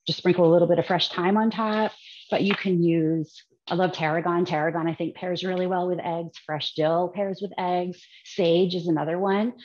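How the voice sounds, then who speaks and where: A woman with a notably low voice walks through a recipe at her kitchen stove, chatting casually as she works. The recording sounds a little dull and lo-fi. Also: slight background noise. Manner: relaxed, chatty, explains as she cooks. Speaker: cookbook author demonstrating a recipe. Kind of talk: casual cooking demonstration.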